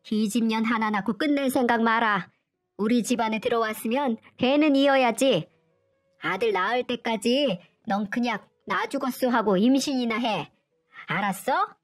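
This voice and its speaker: A cruel older mother-in-law, put on by a woman storyteller, spitting out harsh, scornful scolding. The voice sits a little high, with faint music under the reading. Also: expressive, normal speed.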